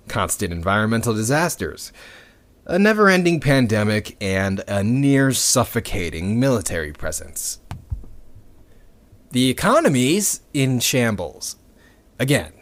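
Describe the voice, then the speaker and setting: A man playing a bitter, sardonic rebel in an audio drama, addressing listeners with dramatic pauses and pointed, sweary emphasis. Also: fairly low pitch. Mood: sardonic, resigned. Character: bitter, sardonic male rebel recounting a dystopian future.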